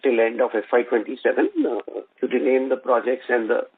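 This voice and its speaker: A man comes through a narrow, tinny phone line with faint noise. He sounds like an analyst on a conference call, halting often, with a gravelly creak in his voice. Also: mid-range voice, level tone. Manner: halting, hesitant phrasing with many repeated uhs. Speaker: analyst asking questions on an earnings call. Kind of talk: business conference call questioning. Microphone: telephone conference line.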